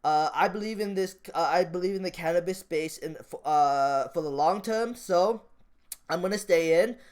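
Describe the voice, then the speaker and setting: A stock market vlogger with a high-pitched, somewhat dark voice talks at a moderate pace. He offers casual, off-the-cuff commentary on his views, rambling, repeating phrases, and starting sentences over.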